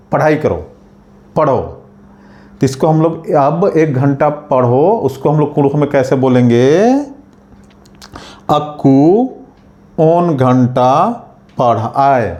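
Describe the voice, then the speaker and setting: A man teaching a spoken language lesson, saying each phrase slowly and carefully and repeating it for learners. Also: mid-range voice, warm tone.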